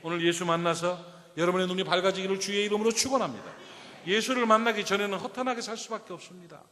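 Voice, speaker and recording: High-pitched man preaching with animated ups and downs, long church reverb. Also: racing. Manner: storytelling preacher, asks the congregation direct questions. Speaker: pastor. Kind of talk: sermon. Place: church sanctuary.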